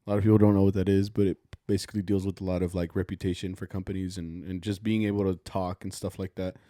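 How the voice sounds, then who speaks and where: Low mellow-voiced young man, casual. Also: flat delivery, fast, no room sound, studio quality. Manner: easygoing, talkative, rambling with fillers. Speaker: podcast co-host. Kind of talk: casual podcast chat.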